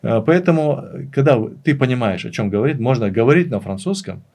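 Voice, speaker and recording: Earnest man with a mid-pitched voice, explaining. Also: lively intonation, fast talker, a little mellow. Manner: earnest, emphatic repetition of phrases. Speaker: interview guest, language teacher and author. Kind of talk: conversational interview, explaining and reminiscing.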